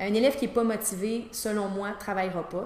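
At a moderate pace, a woman talks with ordinary pitch variation. Light background noise and audible room echo surround her voice. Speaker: primary school teacher. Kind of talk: interview answer. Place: classroom.

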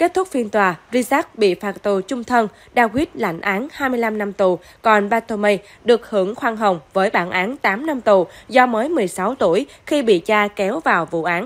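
A woman's normal speaking voice, fairly high in pitch, with lively intonation at a fairly slow pace. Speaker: news presenter. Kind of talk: news reading.

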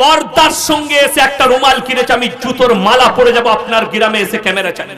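A man speaks in a raised, projected voice at an extremely high pitch, with an animated tone and ordinary pitch variation. Light background noise is present. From West Bengal, India (Purba Bardhaman); West Bengal. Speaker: Islamic preacher. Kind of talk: sermon. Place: tent. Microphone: studio mic.

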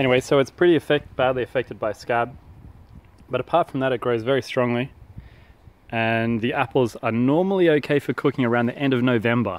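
Speaking at a fairly quick pace but with long, frequent pauses, a man with a medium-pitched voice and an Australian accent uses ordinary pitch variation, recorded dry with no echo. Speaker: home gardener. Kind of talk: casual video tour. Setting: outdoors. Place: garden. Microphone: phone near.

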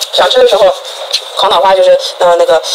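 A woman's very fast speech against noticeable background noise. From Shandong, China. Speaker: livestream food eater. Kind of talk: casual livestream chat while eating. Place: home room. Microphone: lapel.

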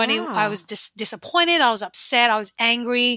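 Bright and sharp in tone, a woman with an Australian accent speaks at a fairly high pitch. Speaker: author and journalist. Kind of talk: casual interview chat.

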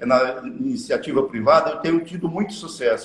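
A high-pitched man with lively intonation, amid audible room echo. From Tocantins, Brazil. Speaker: politician. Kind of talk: live-stream political interview. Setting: online live stream. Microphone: video call.

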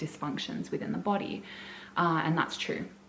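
A woman's fairly low-pitched voice over light background noise. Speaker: wellness vlogger. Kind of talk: casual vlog chat. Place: home room. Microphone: phone near.

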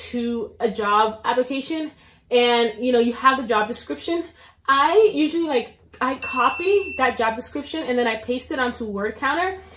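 A woman speaks in a high pitch with lively intonation. Music plays in the background, and the room echo is audible. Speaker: industrial engineering student. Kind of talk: casual talk to camera. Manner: fast. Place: home room. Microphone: phone near.

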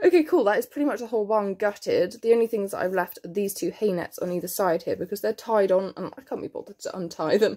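The pitch variation is ordinary. The background is quiet. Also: woman. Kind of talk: casual crafting vlog narration. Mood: cheerful, laughs often. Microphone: phone near.

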